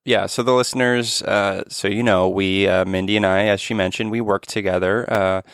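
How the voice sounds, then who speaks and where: A man hosting a podcast about mental health, talking in an earnest, gentle way with frequent restarts and fillers. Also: on the low side, steady tone, normal speed, clean tone, dry recording, clean studio sound. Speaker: podcast host. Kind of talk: casual podcast chat.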